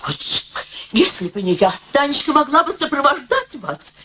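Insistent, self-pitying elderly mother, animated, slightly high, in faintly hissy radio drama. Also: moderate pace, heavily acted. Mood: plaintive. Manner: coaxing, plaintive, insistent. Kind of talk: radio play acting.

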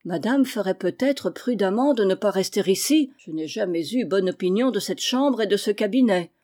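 A woman reading aloud, voicing a good-hearted, quick-witted maidservant. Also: medium pitch, animated, dark tone, lightly acted. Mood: sly. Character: kindly clever maidservant.

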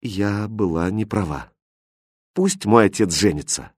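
A man's voice: on the low side, unhurried, dry recording, studio quality. Man voicing a proud young princess. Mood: quiet. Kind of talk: audiobook character voicing.

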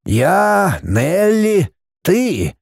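A man voicing a calm, sorrowful old man with a grey beard who speaks in slow, measured, prophetic phrases. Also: high voice, gravelly, no room sound, studio quality, voice pushed up, full character voice. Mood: calm mystical.

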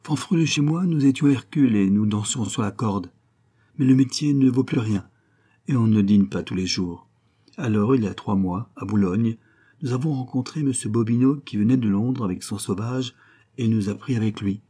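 A man reading aloud voices a calm young gypsy woman who works at a fairground, speaking plainly and earnestly. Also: on the low side, moderate pace, husky.

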